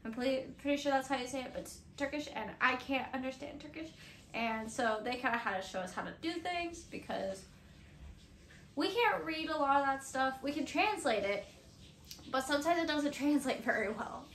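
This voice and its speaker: A woman's voice: high-pitched, animated, normal speed, fairly bright tone. A woman in her twenties vlogging casually to camera in a bedroom, rambling and correcting herself as she goes. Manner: rambling, self-correcting, often laughing between phrases. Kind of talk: casual unscripted chat to camera. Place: small bedroom indoors. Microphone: camera a few metres away. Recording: roomy echo, some background noise, mic at distance.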